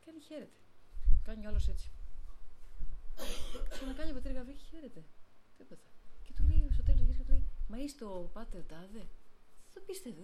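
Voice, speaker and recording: A woman's voice: mid-range voice, background noise. A middle-aged woman, an abbess, giving a spoken talk on faith through spontaneous personal anecdotes, voicing the people in her stories. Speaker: abbess of a convent, guest speaker.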